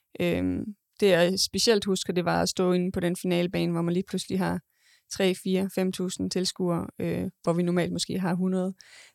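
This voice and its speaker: Fairly low for a woman, her voice comes slowly and in a monotone, flat manner, with a dry, close sound with no echo in a very clean recording with a silent background. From Denmark, Funen. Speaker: archer, Olympic athlete. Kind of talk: interview. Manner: halting, many fillers and repetitions.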